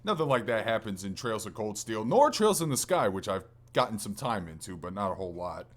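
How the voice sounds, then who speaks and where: Guy with a lowish voice chatting on a gaming podcast, reads out questions, casual co-host. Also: very animated, brisk.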